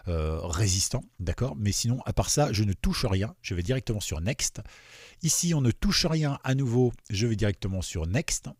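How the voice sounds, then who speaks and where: A man walking viewers through a software installation in a casual, chatty way, often checking in with "d'accord?". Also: fairly low pitch, slightly rough, dry recording, clean studio sound. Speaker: webradio software tutor. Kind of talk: screen-recorded software tutorial.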